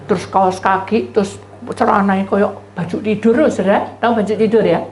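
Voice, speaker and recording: A middle-aged woman pastor, telling a chatty, animated story in a sermon and acting out both sides of the dialogue. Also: medium pitch, brisk, echoey room, heavy background noise. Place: church.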